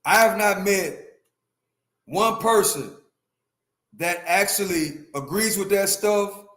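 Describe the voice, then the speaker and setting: The room is echoey, and the man's voice is high-pitched and a bit bright as he takes his time. A livestream host in his fifties, he rants emphatically about his opinions, going over the same points and speaking to his chat.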